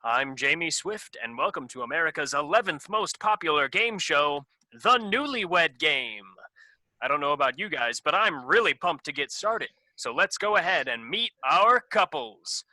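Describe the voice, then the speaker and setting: A man's voice: on the high side, sing-song, normal speed, pushed and bright, no echo, heavily acted. A man playing an upbeat, showy, chummy game show host in a comedy sketch.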